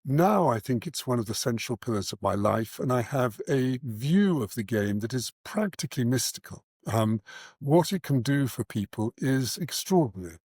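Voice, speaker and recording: A middle-aged man speaks as an interview guest, earnest and articulate. He sits at a medium pitch and measures out his thoughts with pauses, in a close, dry sound. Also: animated, a little mellow, breathy edge, no room sound. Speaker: interview guest, charity founder and cricket coach. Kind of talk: reflective interview answers.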